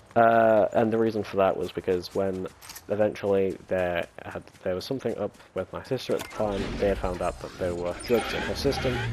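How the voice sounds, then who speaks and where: Against noticeable background noise, a man with an English accent speaks at a moderate pace, with a fairly low pitch and fairly even intonation. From England, Hull. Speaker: gaming YouTuber. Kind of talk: casual gameplay commentary, life story. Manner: halting, many fillers.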